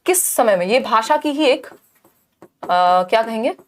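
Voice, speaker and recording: A woman's voice: a little high, expressive, takes it slowly. Woman teaching an exam-prep lesson. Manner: explains step by step, mixing in English terms; asks rhetorical questions and checks in with "thik hai".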